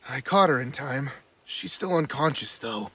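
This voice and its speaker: An actor playing an earnest, protective young adventurer in an overacted anime dub. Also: male voice, medium pitch, animated, a little slow, bright, forceful tone, a little hiss or hum. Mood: concerned.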